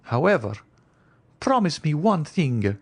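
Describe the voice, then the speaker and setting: A man's voice: on the high side, sing-song, slow pace, pitched above the performer's own voice, heavily acted. A man voicing a frightened, imperious Italian countess in an audiobook, speaking with dramatic emphasis and formal, old-fashioned phrasing. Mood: anxious, pleading. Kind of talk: audiobook character acting.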